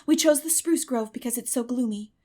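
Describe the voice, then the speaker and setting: Woman voicing a high, breathless, melodramatic little girl. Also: a little fast, warm tone, lightly acted. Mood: thrilled dread. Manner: breathless, melodramatic, with gasps and whispers. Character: terrified, dramatic, imaginative little girl. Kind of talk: dramatic audiobook character acting.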